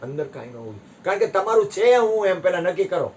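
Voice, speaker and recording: Animated man giving a spiritual talk. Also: high-pitched, fast talker. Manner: animated storytelling, voice rising and dropping sharply. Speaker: spiritual teacher. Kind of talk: satsang discourse with storytelling.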